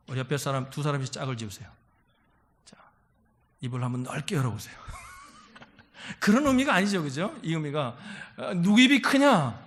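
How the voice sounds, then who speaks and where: A man pastor preaching a sermon in a church, animated, acting out quoted voices and calling out hallelujah. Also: high-pitched. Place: church sanctuary.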